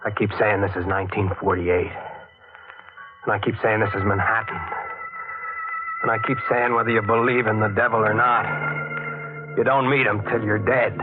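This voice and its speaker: Guy acting as rookie reporter narrating old radio thriller, low flat earnest voice, muffled w music under. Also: normal speed, pauses often, natural voice. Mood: tense, insistent. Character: rookie male newspaper reporter, uneasy and insistent. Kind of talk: 1940s radio drama first-person narration.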